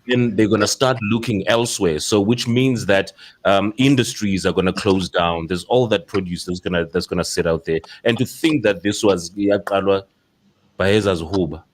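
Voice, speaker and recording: A man's voice: sits low, normal speed. A South African man hosting a casual podcast discussion, talking in a rambling way with many fillers and restarts. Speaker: podcast host.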